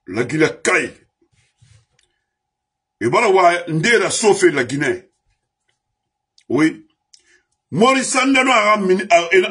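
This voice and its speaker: A man from Guinea giving an impassioned political monologue as a diaspora commentator. He is heated, rises to shouts and lists grievances in repeated refrains. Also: high voice, breathy edge.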